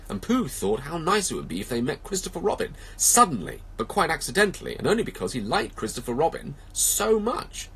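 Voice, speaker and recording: A man reading a children's story aloud with expressive, theatrical narration and drawn-out emphasis. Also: mid-range voice, husky, rough recording. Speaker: storybook reader.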